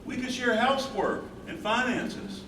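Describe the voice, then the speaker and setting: A man's voice: very high voice, unhurried, pushed and bright, heavily acted. A man in a staged play reading, playing an earnest, devoted young man courting his sweetheart with theatrical delivery. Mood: earnest, persuasive. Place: live staged reading in a room. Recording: echoey room, distant mic, noisy.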